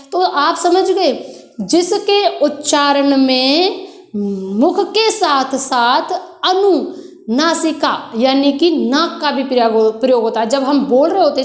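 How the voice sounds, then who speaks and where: Woman, Hindi teacher, high voice, patient explaining, English words mixed in, echoey room. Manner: explains patiently, addresses students as children. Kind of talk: exam-prep grammar lesson.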